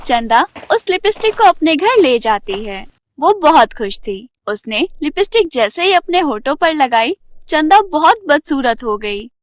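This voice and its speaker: A woman's voice: high voice, very animated, a little slow. A woman narrating a scripted children's fairy tale as the storyteller.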